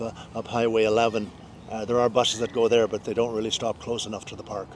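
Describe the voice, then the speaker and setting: A man talks very fast with a Canadian accent. His medium-pitched delivery stays monotone and flat. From Ottawa Valley, Ontario, Canada. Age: old. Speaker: retired tour guide. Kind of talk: interview answer.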